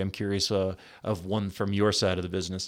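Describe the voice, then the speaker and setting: In a very clean recording with a silent background, a man talks at a very fast pace with a fairly low pitch. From US Northeast. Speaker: podcast host. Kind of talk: interview conversation.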